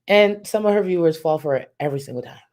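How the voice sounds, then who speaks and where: A woman hosting a live reaction stream, talking bluntly and mockingly with a lot of profanity in her naturally deep voice. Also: fast talker, darkish tone. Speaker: streamer, commentary host.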